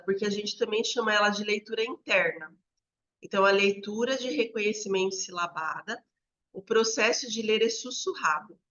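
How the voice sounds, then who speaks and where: A female literacy educator explains how children learn to read, going step by step and often checking with "né?" that listeners are following. Her medium-pitched voice is bright and forceful in this explanatory teaching talk. The recording is slightly dull and lo-fi.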